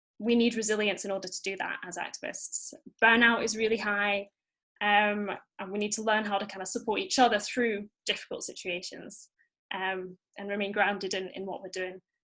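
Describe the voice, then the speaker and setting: The tone is bright and sharp, in a Scottish accent. The intonation stays monotone and flat. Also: woman. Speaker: activist, former regenerative culture coordinator. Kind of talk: presentation on video call. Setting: video call from home. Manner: fast.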